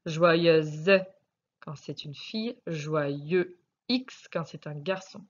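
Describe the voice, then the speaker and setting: Patient French-accented woman teacher, slow and careful, recorded lesson with dull, muffled sound. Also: low voice. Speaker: primary school teacher. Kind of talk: recorded spelling lesson correction.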